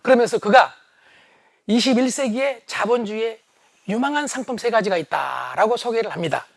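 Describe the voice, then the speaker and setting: A middle-aged man giving a humorous leadership lecture, animated and often shouting for emphasis. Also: high-pitched, normal speed, vocal fry, no room sound.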